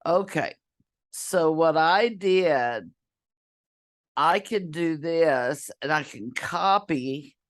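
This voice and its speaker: Brief: hoarse woman, voice half gone, slow unhurried screen-share tutorial, throat clearing, computer mic. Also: deep voice, animated. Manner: slow, halting, clears throat often, apologetic. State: losing her voice, hoarse and whispery. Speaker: college librarian or instructor.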